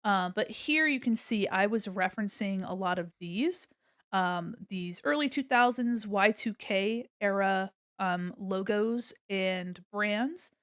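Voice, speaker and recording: A woman's voice: medium pitch, slow pace, a bit bright, smooth, no echo. Sniffly woman explaining art, dry close sound. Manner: chatty, many ums and restarts, explaining while drawing. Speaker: streamer giving art critique. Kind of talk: casual art tutorial walkthrough.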